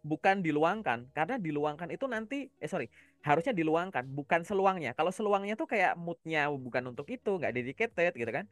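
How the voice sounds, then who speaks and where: A man's voice: on the high side, lively intonation, fairly quick, fairly bright tone, dry recording, faint music behind. A man from Java giving casual coaching advice, explaining step by step and checking in with rhetorical questions. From Java, Indonesia. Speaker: career coach.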